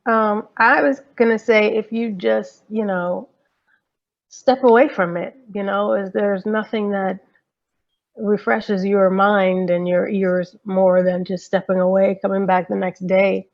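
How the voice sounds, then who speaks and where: A woman's voice: medium pitch, fairly even intonation, a little slow. A woman speaking casually as a panelist, heard over a dull lo-fi call. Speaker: panelist, audio drama community organizer. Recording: dull lo-fi video-call audio.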